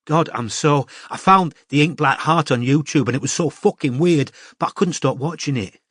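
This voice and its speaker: A fragile teenage girl with a northern English accent, put on by a male narrator, pouring out her story in halting bursts. Her voice sits higher than the reader's own, with a close, dry sound. It feels like a storybook reading. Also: fairly bright tone, breathy edge, no echo. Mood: confessional. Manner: tearful, halting confessional talk.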